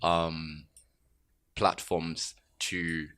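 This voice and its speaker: Deep-voiced, bright Tanzanian man. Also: very slow, clear, resonant tone. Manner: reflective, grows animated and emphatic when excited. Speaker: guest musician. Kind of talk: radio studio interview. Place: radio studio.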